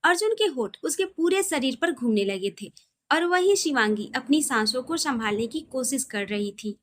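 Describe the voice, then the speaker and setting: A woman's voice: high voice, expressive, moderate pace. A woman storyteller reading a scripted romantic story.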